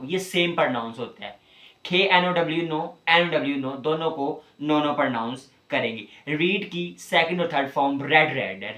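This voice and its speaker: A man's voice: a little high, a bit bright. Man teaching in an echoey room. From Pakistan. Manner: patient, repeats words slowly for drilling. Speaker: spoken English tutor. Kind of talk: classroom teaching, explaining pronunciation. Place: room in a home during home tuition.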